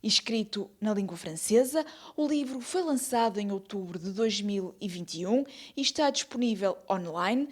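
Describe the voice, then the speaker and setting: A woman's voice: medium pitch, expressive, moderate pace, hardly any pauses, a little mellow, husky. A woman, reading scripted news narration evenly.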